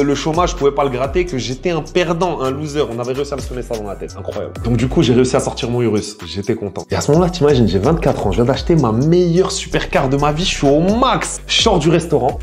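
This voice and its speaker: Young man in his twenties, vlog monologue, boastful, self-assured, mid-pitched voice, faint music behind. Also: darkish tone. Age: 20s. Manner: boastful, self-assured, addresses viewers directly. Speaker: influencer and investor. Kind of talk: direct-to-camera vlog monologue.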